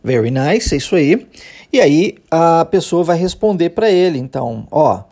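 A man's voice: on the high side, big pitch swings, mellow. A Brazilian man with a Brazilian Portuguese accent, teaching English in a podcast lesson, explaining patiently with many "né" and "tá" fillers. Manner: explains patiently, models English phrases slowly for repetition; frequent fillers like "né" and "tá".

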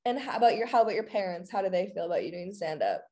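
Woman podcast host, chatty, encouraging, quick to laugh. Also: lowish voice, animated, warm tone. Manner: upbeat, laughs a lot, encouraging. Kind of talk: casual interview chat.

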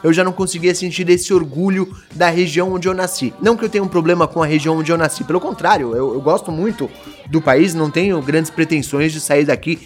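A Brazilian man casually arguing his views in a group discussion, blunt and animated, firing off rhetorical questions. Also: on the high side, fast talker, soft background music.

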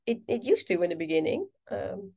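A woman's voice: on the low side, big pitch swings, brisk, gravelly, a little mellow, breathy edge. A woman with a Dutch accent, an English teacher hosting a casual interview, talking with frequent ums and you-knows. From Netherlands. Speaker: podcast host and English teacher.

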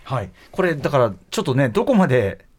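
A man hosts a radio talk show at a quick clip, his pitch moving freely up and down. He sounds conversational and casual, often dropping in short listening responses. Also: very animated, darkish tone. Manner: frequent backchannel responses.

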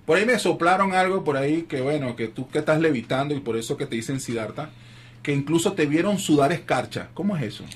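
Husky man hosting a chat. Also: on the high side, expressive, fast. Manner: joking, teasing interviewer. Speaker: host. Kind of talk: casual chat.

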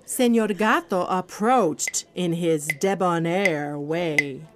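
A woman narrating a scripted audio theatre story with a wry, animated manner. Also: lowish voice, slow pace, over loud music.

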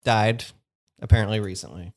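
A man's voice: fairly low pitch, steady tone, moderate pace, darkish tone. A man co-hosting a podcast, summarizing a film's plot in casual chat. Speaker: podcast co-host.

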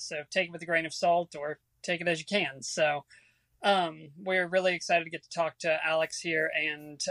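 A man's voice: on the high side, no echo, rough recording. A man co-hosting a casual podcast over a video call, his audio cutting in and out so the volume keeps jumping. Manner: relaxed, informal, with fillers. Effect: audio cutting in and out, uneven volume. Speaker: podcast co-host.

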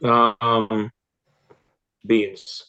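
A podcast co-host who is a man, calling in remotely and dropping short deadpan interjections into a casual chat, his voice thin and muffled as if through a tin-can phone. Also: fairly low pitch, drawn-out words. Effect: thin, muffled sound as if through a tin-can phone.

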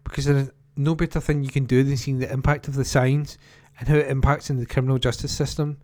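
A man with a mellow, dark-toned voice reads a news report aloud, even and plain. The recording is dry and close. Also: mid-range voice, fast talker, no echo. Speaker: newspaper article reader.

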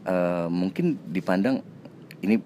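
An actor casually tells an anecdote in an interview, speaking low and slow with slight background noise. Relaxed and chatty, with fillers and self-laughs, he acts out the other people's lines in changing voices.

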